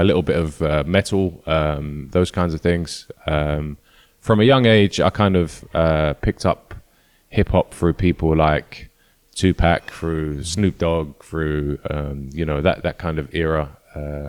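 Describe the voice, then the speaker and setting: With a very deep, low pitch and ordinary pitch variation, a man speaks at a fairly slow pace in a dry, close sound with no echo. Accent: London. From London, Camden. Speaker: rapper. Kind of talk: interview. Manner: halting.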